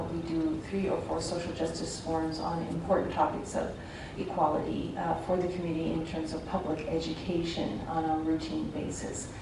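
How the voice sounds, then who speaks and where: There is audible room echo and noticeable background noise. A woman speaks at a moderate pace. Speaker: human rights commission member. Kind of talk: self-introduction at a conference. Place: hall.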